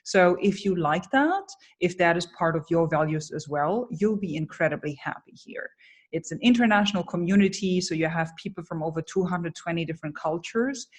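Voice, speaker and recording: A woman's voice: lowish voice, a little fast, breathy edge. A woman, a business coach giving candid, emphatic interview answers. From Germany. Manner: energetic, candid, emphatic storytelling. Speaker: guest, personal branding coach.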